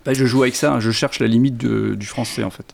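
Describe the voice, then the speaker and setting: A man's voice: medium pitch, fairly even intonation, fast talker, creaky. A middle-aged man from Lorraine whose first language is Lorraine Franconian, speaking hesitantly with many restarts as an author in an interview. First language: Lorraine Franconian (Platt). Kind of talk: literary interview.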